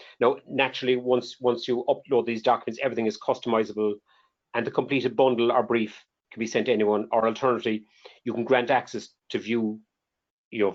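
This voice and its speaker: A man with a Cork accent, very fast delivery and a monotone, flat intonation. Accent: Irish, Cork. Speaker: software company chief executive. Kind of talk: product demo webinar. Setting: home, remote webinar. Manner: halting, many repeated words.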